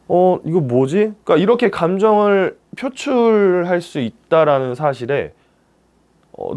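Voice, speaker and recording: A male stage actor giving a career talk to young people, telling his story and acting out the dialogue. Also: medium pitch. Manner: animated storytelling, acts out dialogue.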